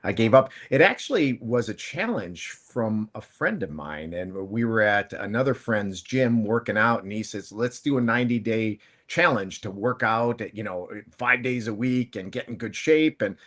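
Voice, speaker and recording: A fairly low, expressive, slightly bright voice comes from this man in his fifties, who speaks at a moderate pace with few pauses. Guesting on a panel as a plant-based food entrepreneur, he tells his story in rambling, conversational fashion, frequently restarting and correcting himself.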